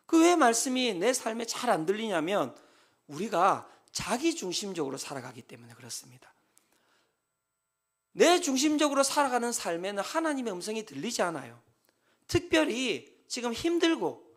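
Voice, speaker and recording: A man preaching a Sunday sermon as pastor, lively and emphatic, at times shouting as he acts out counseling talks. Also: very high voice.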